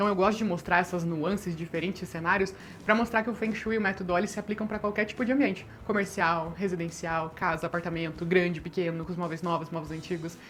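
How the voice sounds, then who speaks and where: A somewhat breathy woman talks very fast at a fairly low pitch, keeping her intonation fairly even. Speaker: feng shui consultant. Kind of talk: casual vlog. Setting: rented apartment. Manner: soft-spoken, talking quietly late at night.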